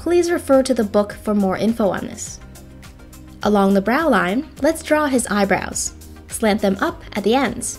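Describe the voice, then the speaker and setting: A woman's fairly high-pitched voice with lively intonation, music playing in the background. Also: fairly slow pace. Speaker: drawing tutorial artist. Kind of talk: tutorial narration.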